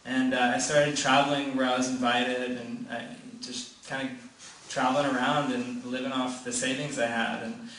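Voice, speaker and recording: A man's voice: mid-range voice, level tone, moderate pace, hardly any pauses, fairly bright tone. A man casually telling a personal story to a group, rambling, with restarts, lots of "like", and frequent laughs. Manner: rambling, many restarts and fillers, laughs often. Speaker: gathering participant sharing a story. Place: gathering in a room. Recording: echoey room, mic far off, background noise.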